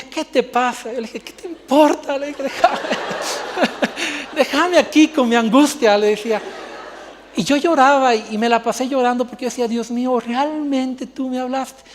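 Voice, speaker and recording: Pastor preaching in a hall. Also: male voice, sits high, slight background noise. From Bolivia. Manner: animated storytelling, acting out dialogue. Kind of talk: sermon.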